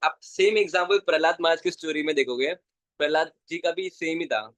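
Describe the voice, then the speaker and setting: A man's voice: a little high, brisk, a bit bright, no echo. A young man telling a devotional story in an earnest way, repeating phrases for emphasis and mixing in English words. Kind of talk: Hindi devotional story talk.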